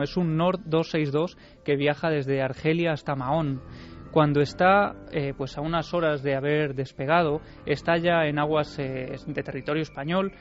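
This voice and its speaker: Guy on radio, slightly high voice, telling a story, muffled sound. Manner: narrative, addresses the host directly. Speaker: radio show contributor. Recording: dull lo-fi radio broadcast.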